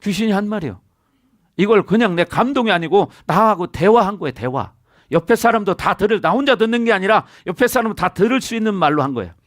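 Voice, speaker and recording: A high-pitched man preaches a sermon, repeatedly prompting his congregation for answers and amens. His voice is captured close and dry, with almost no room sound around it. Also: lively intonation, fast, no room sound. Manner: preaching with call-and-response to the congregation. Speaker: senior pastor. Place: church sanctuary.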